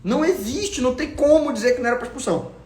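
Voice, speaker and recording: A man's voice: very high-pitched, rapid-fire, a little mellow, reverberant. A Brazilian man hosting a football channel, giving insistent, opinionated commentary and repeating his points for emphasis. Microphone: home recording.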